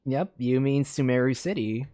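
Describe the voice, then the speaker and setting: A woman's voice: very deep voice, moderate pace, dark tone, no room sound. A woman giving casual gameplay commentary as a streamer, rambling and thinking aloud. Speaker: game streamer.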